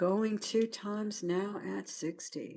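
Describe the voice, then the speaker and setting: A woman mumbles. Her voice is quiet. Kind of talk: live stream auction. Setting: live stream on camera. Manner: mumbling; quiet, low-key.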